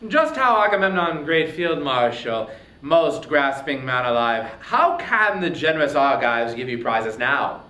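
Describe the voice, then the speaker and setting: A man performs a furious, headstrong hero of ancient epic. His high, swooping voice declaims with scorn and indignation, ringing in a roomy, echoing space. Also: sharp tone, exaggerated voice. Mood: mocking challenge. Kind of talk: dramatic reading of epic poetry.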